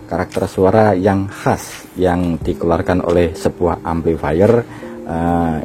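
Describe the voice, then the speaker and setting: A man with a very low voice and a Javanese-region Indonesian accent narrates an informal explainer. He speaks colloquially, addressing the listener like a buddy. Music plays clearly behind him. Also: dark tone. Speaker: DIY electronics video host.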